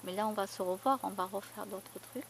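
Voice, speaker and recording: A woman's voice: medium pitch, a little fast, a little hiss or hum. A woman vlogging in a casual, rambling chat, full of fillers and repeated words. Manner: chatty, rambling storytelling with many fillers and repeats.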